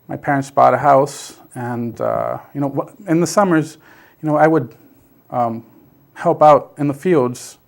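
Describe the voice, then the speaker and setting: A middle-aged man from South Texas, whose first language is Basque, shares his family story as an interview guest, with lots of fillers and restarts. His mid-range voice has vocal fry and a measured pace in this casual storytelling.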